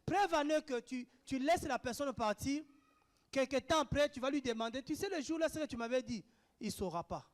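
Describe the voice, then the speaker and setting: Fervent male preacher, very high voice, mixes shouts with quiet asides. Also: expressive, a little fast. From Africa. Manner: impassioned, swings between shouted declarations and hushed asides. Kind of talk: sermon answering questions.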